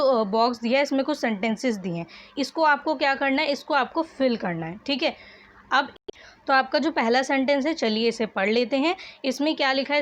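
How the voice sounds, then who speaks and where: A woman's voice: high voice, highs cut off. A woman teacher, explaining a worksheet lesson patiently and repeating each answer for her students.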